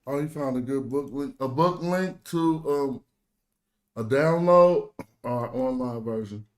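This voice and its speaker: An American man hosts a relaxed online language lesson. He speaks African American Vernacular English at a middling pitch, with informal, slangy phrasing as he explains things to the group. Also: unhurried. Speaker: host and language teacher. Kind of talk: casual teaching chat in an online group call.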